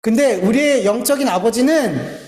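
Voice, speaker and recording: A man's voice: extremely high pitch, lively intonation, normal speed, darkish tone. A man preaching a sermon as a pastor, earnest and pleading, often turning to address his congregation directly. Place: church sanctuary. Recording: echoey church hall.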